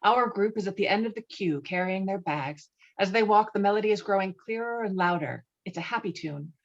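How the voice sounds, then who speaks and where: A woman's voice: medium pitch, brisk. A woman reading stage directions as narrator of a screenplay table read, on slightly muffled online call audio.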